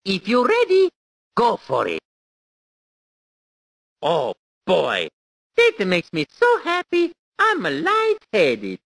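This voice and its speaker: Cheerful Italian plumber, exaggerated accent, wildly swooping pitch, very dry sound. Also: female voice, huge pitch swings, slow pace, long pauses, fairly bright tone, no echo, full character voice. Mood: playful. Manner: exclamatory, playful, cartoonish. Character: cheerful Italian plumber hero, adult male, bouncy. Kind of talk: video game character voice.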